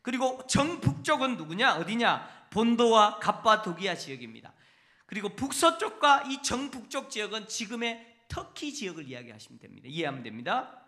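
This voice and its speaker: A man's voice: high-pitched, very animated, normal speed, bright, forceful tone. A male pastor preaching a sermon in a church. He teaches step by step and keeps putting rhetorical questions to the congregation. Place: church sanctuary.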